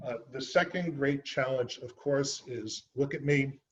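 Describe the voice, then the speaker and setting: A man's voice: medium pitch, measured pace, a little hiss or hum. A man giving an author talk, speaking earnestly and unhurriedly about his book, with frequent ums and uhs. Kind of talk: library author presentation.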